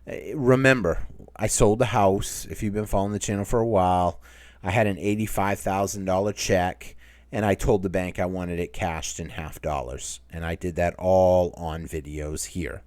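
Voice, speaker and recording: A man's voice: low voice, fairly even intonation, moderate pace, darkish tone, no room sound. A man with a Maine accent hosts a casual Q&A chat, rambling as he reads viewer comments aloud. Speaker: channel host.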